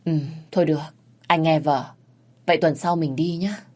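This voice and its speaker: A woman voicing a gentle, protective young husband who speaks softly and soothingly. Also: low-pitched, fairly even intonation, moderate pace. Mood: tender. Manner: soft, soothing.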